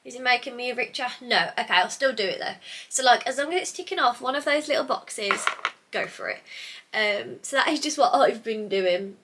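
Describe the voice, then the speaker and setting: Bright, chatty young woman vlogger. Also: fairly high pitch, expressive, moderate pace, slight background noise. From United Kingdom. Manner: chatty and rambling, sidetracks mid-thought. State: congested from hay fever or a cold. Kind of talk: casual chat to camera.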